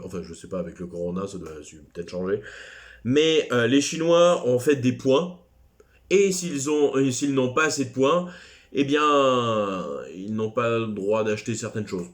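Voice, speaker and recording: A man's voice: mid-range voice, a little slow. A man teaching a recorded French class lesson, chatty and digressive, with self-deprecating asides.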